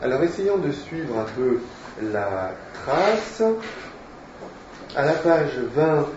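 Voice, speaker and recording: A man's voice: on the high side, very animated, slow, a little mellow, slight background noise. Hesitant male teacher in an echoey hall. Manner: hesitant, many fillers, explanatory. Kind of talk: literature lecture, reading aloud. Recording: echoey room, distant mic, dull sound.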